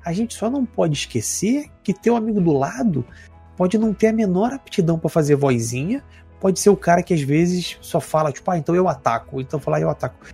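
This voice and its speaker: A man with a Brazilian accent, chatting casually on a podcast in a relaxed, rambling, slangy way. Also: high-pitched, fairly quick, gravelly, husky, soft background music. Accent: Brazilian Portuguese. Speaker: podcast co-host. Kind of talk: casual chat about tabletop games.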